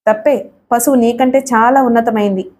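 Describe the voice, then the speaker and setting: A stern, righteous young hero man, as a woman reads him in an audio story. He speaks firmly and scolds, in a mellow voice pitched a little high. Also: fairly even intonation, normal speed, slight background noise, close to an everyday voice. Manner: firm, scolding.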